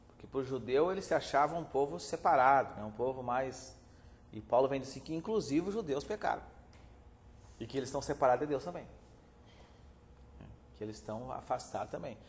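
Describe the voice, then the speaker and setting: A man's voice: medium pitch, animated, a little fast, pauses often, darkish tone. A man, a pastor teaching a theology class, speaking earnestly and often checking in with his listeners as brothers. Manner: earnest, addresses listeners as brothers, many filler "né". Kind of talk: classroom Bible lecture. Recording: reverberant hall.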